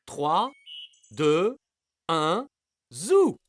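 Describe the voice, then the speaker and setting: A reassuring father in a children's cartoon. His intonation swings widely as he encourages and coaches patiently, over clearly heard music. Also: on the high side, sing-song, drawn-out words, heavily acted. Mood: encouraging. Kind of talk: French-language children's cartoon dubbing.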